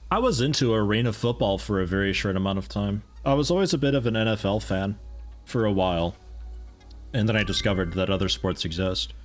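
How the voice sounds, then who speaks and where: A man's voice: lowish voice, expressive, a little fast, faint music behind. A young American man streaming a game, chatting casually in a rambling, self-interrupting, amused way, with a mixed accent that carries some European mannerisms. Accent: mixed American with picked-up European mannerisms. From United States. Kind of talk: casual live-stream chat while playing.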